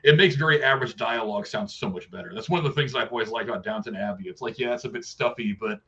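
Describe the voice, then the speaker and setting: Man, podcast co-host, bright forceful voice, rambling, dull lo-fi audio. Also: on the low side, fast. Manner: rambling, repeats words, reads trivia aloud. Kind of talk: casual movie review chat.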